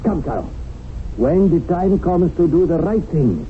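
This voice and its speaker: Fanatical gang leader, declamatory, imperious, highish voice, tinny old radio drama sound. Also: male voice, big pitch swings, unhurried, a little hiss or hum. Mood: commanding. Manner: pompous, dogmatic, declamatory.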